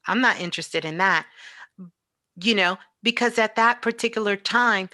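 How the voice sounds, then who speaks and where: A woman's voice: medium pitch, moderate pace, bright, forceful tone, dry recording, clean studio sound. A woman speaking reflectively and conversationally as an interview guest and spiritual teacher, often checking in with the listener. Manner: frequently checks in with "you know".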